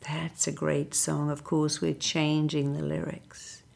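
A woman leading a guided meditation, giving soothing, deliberate instructions and affirmations straight to the listener. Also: low voice, little pitch movement, vocal fry, darkish tone.

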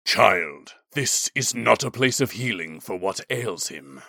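A man performs a mighty elemental shaman for a fantasy audiobook. The voice is booming and forceful, with slow, weighty phrasing. He sounds grave, commanding and kindly at heart. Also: lively intonation, vocal fry, dry recording, studio quality, exaggerated voice. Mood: grave, firm. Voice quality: deep, booming.

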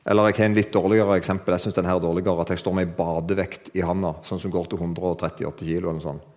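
A man's voice: low-pitched, flat delivery, darkish tone. A man preaching a sermon to a congregation, chatting with them and asking them questions, joking about himself, then building to emphatic, lifted declarations. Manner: conversational, asks the audience questions, builds to emphatic lifts; self-deprecating humor with laughs.

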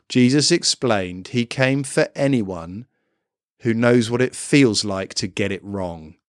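A middle-aged man preaches to children at an unhurried pace, his pitch rising and falling widely as he lands each phrase. His delivery is emphatic, built on repeated lists. The recording is close and dry, with almost no room sound. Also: dry recording. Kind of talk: children's sermon.

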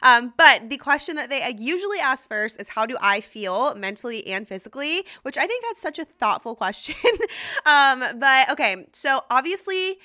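A woman's voice: sits high, big pitch swings, moderate pace, bright, forceful tone. A woman in her thirties hosting a casual solo podcast, talking in a chatty, confiding way with many restarts and asides. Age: 30s. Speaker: podcast host.

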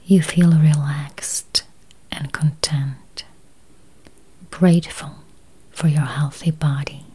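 A woman leading a guided meditation in a soft, breathy near-whisper, with calm, soothing, deliberate phrasing. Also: deep voice, a little hiss or hum.

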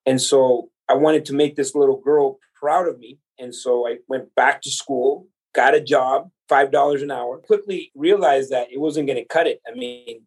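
A man's voice: medium pitch, fairly even intonation, normal speed, few pauses, husky, low-quality recording. A man in his forties from El Salvador, a podcast guest telling his life story in an earnest, motivational way. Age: 40s. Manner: earnest, motivational, speaks to the listener directly. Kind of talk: conversational storytelling.

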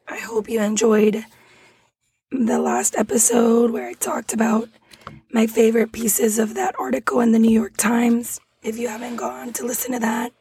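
A young woman hosting her podcast with a raspy, hoarse voice that keeps slipping into whispers, speaking apologetically. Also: on the high side, dark tone, dry recording. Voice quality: raspy, strained voice. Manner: apologetic, drifts into breathy whispers. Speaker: podcast host. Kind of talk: casual solo podcast chat.

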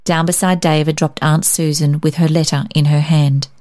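A woman reading a literary story aloud as narrator, in an expressive scripted style. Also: low-pitched, moderate pace, no echo, studio quality. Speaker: story narrator and podcast host.

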